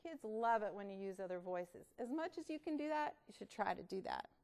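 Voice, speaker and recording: A woman presenting read-aloud tips in an expressive, instructional way, with deliberate emphasis. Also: mid-range voice. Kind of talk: instructional talk with storybook reading.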